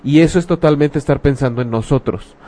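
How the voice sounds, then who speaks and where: A man with a Mexican accent speaks in a relaxed, conversational way. His talk is frank and colloquial, full of slang and rhetorical questions, at a middle pitch. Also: brisk. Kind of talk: casual talk about grief.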